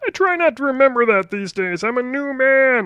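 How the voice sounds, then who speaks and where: In a put-on character voice, a man talks at a moderate pace with an extremely high pitch and lively intonation. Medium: actual play. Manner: deadpan, terse.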